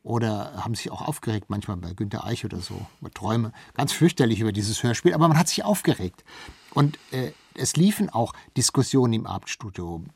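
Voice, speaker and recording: Husky-voiced man explaining in an interview. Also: on the low side, expressive, fairly quick, no room sound. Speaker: interview guest, expert on radio history. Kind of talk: conversational expert interview.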